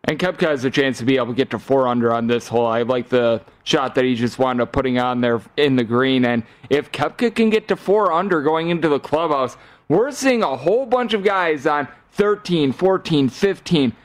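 A man giving relaxed, conversational analysis as a golf commentator on a sports show. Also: mid-range voice, normal speed.

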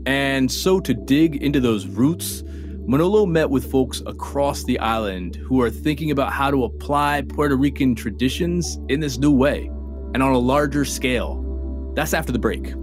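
Man, mid-pitched host, playful scripted narration, soft music bed under him. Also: moderate pace. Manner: playful, conversational. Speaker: host and reporter.

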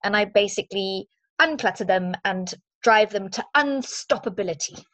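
A woman's voice: mid-range voice, moderate pace, a bit bright, no room sound. Upbeat woman in her forties, dry sound. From Zimbabwe. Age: 40s. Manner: upbeat, chatty, many fillers. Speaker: guest, movement and mindset coach. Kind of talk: casual interview chat.

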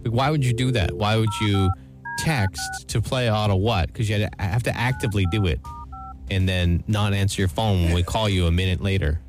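A man with a fairly low voice talks casually as a radio co-host and quizmaster. A faint music bed sits behind him. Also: brisk. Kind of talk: casual radio show banter. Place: radio studio.

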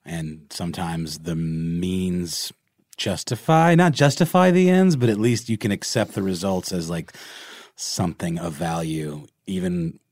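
Deep husky dude on a podcast, casual, kinda working it out as he talks. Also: a little slow, a little mellow, dry recording. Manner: informal, searching for words. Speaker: podcast co-host.

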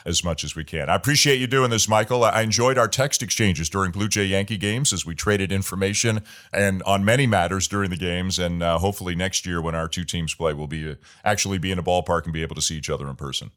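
A man in his fifties hosting a sports interview, asking friendly and measured questions. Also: deep voice, a bit bright. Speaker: sports radio host.

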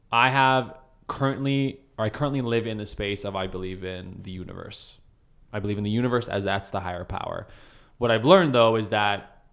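A man's voice: on the low side, fairly bright tone. A man hosting a podcast, talking earnestly and encouragingly about his beliefs. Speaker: podcast host. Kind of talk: casual podcast talk.

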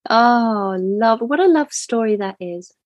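A woman's voice: on the high side, expressive, slow, darkish tone, dry recording. A woman hosting a podcast on spirituality, effusive and encouraging as she interviews her guest. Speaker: podcast host.

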